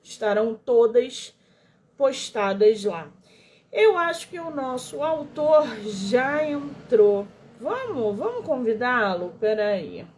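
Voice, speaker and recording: A woman's voice: a little high, sing-song, slow pace, darkish tone, a little hiss or hum. Effusive Carioca woman hosting a live chat. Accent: Carioca Brazilian Portuguese. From Rio de Janeiro, Brazil. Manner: effusive, chatty, exclamatory. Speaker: interview host of a literary livestream. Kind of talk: casual livestream interview. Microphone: phone livestream.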